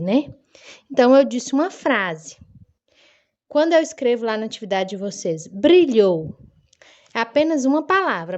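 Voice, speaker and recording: A woman teaching a children's lesson, speaking slowly and clearly in a sing-song manner for young kids. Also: fairly high pitch, darkish tone. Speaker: primary school teacher. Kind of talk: recorded online lesson for children.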